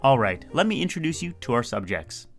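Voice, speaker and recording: A man hosting a documentary-style interview show, narrating clearly and asking questions. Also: mid-range voice, sing-song, a little fast, over music. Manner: clear, explanatory, conversational. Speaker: host and interviewer.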